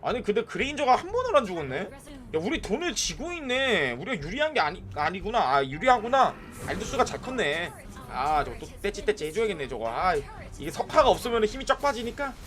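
Young guy streaming a mobile game, high bright voice, yells at his team a lot, faint music under it. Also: a little fast. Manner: excitable, yelling bursts at teammates, chatting to viewers. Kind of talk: live gameplay commentary.

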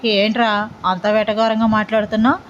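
A woman's voice: mid-range voice, level tone, a little fast, lo-fi sound, a little hiss or hum, close to an everyday voice. A woman voicing a chatty, playful young man who complains and teases.

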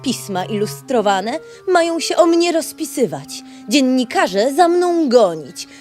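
A dreamy, earnest she-tortoise, acted by a woman in a children's audio tale. She speaks at a leisurely pace in a lightly raised pitch. Some music plays behind her. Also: big pitch swings, measured pace, a little mellow. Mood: dreamy, longing. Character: dreamy female tortoise longing for fame, earnest. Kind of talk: children's audio play acting.

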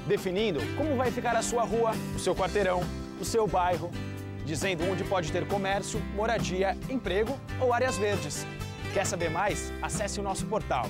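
A man's voice: high-pitched, normal speed. A man reading an informative public service voice-over. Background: music.

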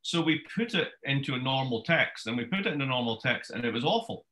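A man's voice: medium pitch, poor audio. Wry Scottish man in his fifties. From Scotland. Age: 50s. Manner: brisk, wry storyteller with lively gestures. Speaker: author giving a book talk. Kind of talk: lecture-style talk on a video call. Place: home study with bookshelves, indoors. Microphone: webcam video call.

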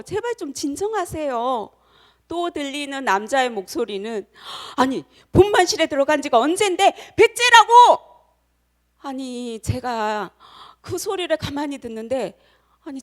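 A middle-aged woman giving a motivational lecture, telling a personal story and speaking directly to her audience. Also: a little high. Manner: acts out quoted voices.

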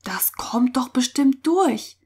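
A woman's voice: sits high, expressive, slow, a little mellow, slightly rough, exaggerated voice. A woman voicing a timid, always-anxious boy in a Christian story for children, speaking fretfully. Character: timid, always-fearful boy nicknamed Pummel.

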